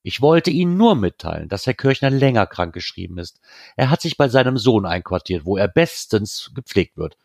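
A man's voice: lowish voice, sing-song, normal speed, gravelly, darkish tone, no room sound, clean studio sound, exaggerated voice. A man reading aloud, voicing a condescending manager who stays coolly polite. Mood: curt. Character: smug, unpleasantly polite male boss.

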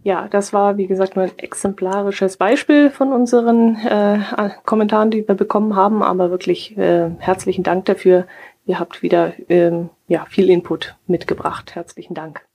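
Slightly hoarse woman podcaster. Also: medium pitch, fairly even intonation, normal speed, darkish tone. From Allgäu, Germany. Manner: chatty, reads listener comments aloud, frequent "äh" fillers. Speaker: podcast host. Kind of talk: casual podcast chat.

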